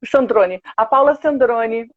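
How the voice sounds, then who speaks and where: Brief: older Brazilian woman, singer guest, bright-voiced raconteur, dry dull video-call sound. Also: fairly high pitch, slow pace, no echo. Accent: Brazilian Portuguese. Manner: lively storyteller, animated quoted asides. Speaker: guest, opera and musical theatre singer. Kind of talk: casual interview chat.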